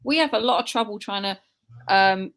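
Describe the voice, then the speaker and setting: A woman chats informally as a co-host. Her voice is of average pitch, and her delivery is conversational and unscripted. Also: moderate pace, a bit bright. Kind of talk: casual chat.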